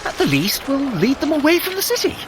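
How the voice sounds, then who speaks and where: A man's voice: extremely high pitch, wildly swooping pitch, fast, noisy background, exaggerated voice. A man acting in an audio drama as a sly, flippant, scheming trickster god bickering with his brother, glib and self-satisfied but given to hedging. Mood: sheepish, sly.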